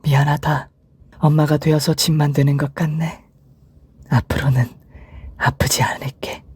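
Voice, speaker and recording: A frail older mother recovering in a hospital bed, as a male storyteller puts her on. She speaks softly and apologetically, in a weak voice, with the close, dry sound of a storybook reading. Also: fairly high pitch, level tone, normal speed, husky, dry recording. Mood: frail, apologetic.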